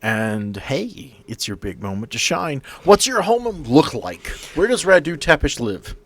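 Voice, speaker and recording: Lively man running a tabletop game. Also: mid-range voice, measured pace. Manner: conversational, addresses players directly. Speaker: game master and host. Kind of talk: narrating a tabletop roleplay podcast.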